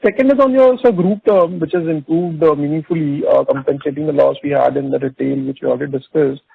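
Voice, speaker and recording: A man asking wordy, halting questions as an analyst calling in to an earnings call. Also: fairly high pitch, gravelly, breathy edge, no room sound. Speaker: analyst caller. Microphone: telephone. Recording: tinny, narrow phone line.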